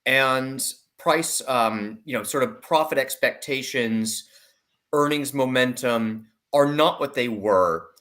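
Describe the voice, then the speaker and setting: Man giving measured market commentary. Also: mid-range voice, fairly bright tone. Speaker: investment analyst guest. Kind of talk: conversational market commentary in an interview.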